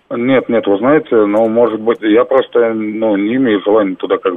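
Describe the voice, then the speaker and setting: The background carries noticeable noise. A man is talking at a moderate pace. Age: 30s. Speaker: caller. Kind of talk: casual chat. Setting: phone call.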